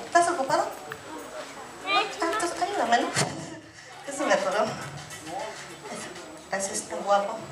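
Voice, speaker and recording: A woman's voice: high voice, very animated, a little slow, pauses often, loud music behind the voice. A woman with a Mexican Spanish accent, a party clown teasing and bossing the crowd in playful banter. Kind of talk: crowd-work comedy at a party. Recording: echoey, distant, noisy crowd recording.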